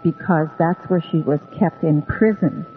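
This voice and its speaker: Woman, tinny radio sound. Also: sits low. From Hawaii. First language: Hawaiian. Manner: unhurried, meandering with many ums. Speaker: guest storyteller. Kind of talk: relaxed radio interview storytelling. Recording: tinny phone-like radio with long reverb and faint music.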